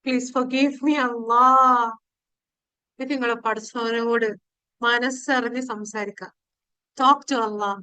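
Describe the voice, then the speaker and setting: Female guide for prayerful meditation: high, clear, smooth voice, pleading and devotional. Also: steady tone, bright, forceful tone, no echo, poor audio. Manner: slow, pleading, devotional delivery with drawn-out phrases and pauses.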